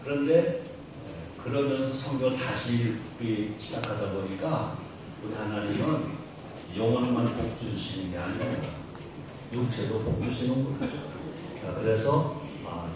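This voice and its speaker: An older man, a pastor, giving an animated welcome speech to his congregation and counting off his points with rising emphasis. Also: mid-range voice. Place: large church hall with seated congregation. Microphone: podium mic, recorded from the audience by a far camera. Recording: distant, very echoey hall with audience noise.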